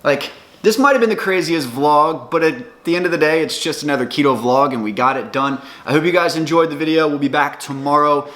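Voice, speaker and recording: A man's voice: fairly high pitch, fairly quick, fairly bright tone. A young man talking casually to camera in a home vlog, earnest and motivational. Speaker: vlogger.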